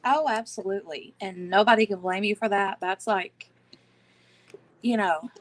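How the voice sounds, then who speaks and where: A woman's voice: mid-range voice, normal speed. Encouraging woman guest on a livestream. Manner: supportive, encouraging. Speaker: guest co-host. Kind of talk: casual livestream chat.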